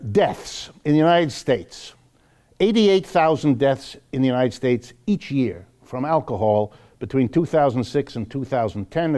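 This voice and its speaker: A man speaks as a lecturer before the public, in a mid-pitched voice. His delivery is deliberate and emphatic, and he repeats phrases to drive them in. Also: darkish tone.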